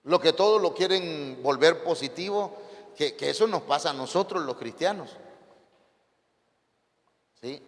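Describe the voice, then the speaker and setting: A man with a Mexican accent preaches with a fairly high voice, keeping the sermon lively by turning questions on his listeners. His voice rings through a church hall with a long reverb tail. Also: unhurried, long pauses.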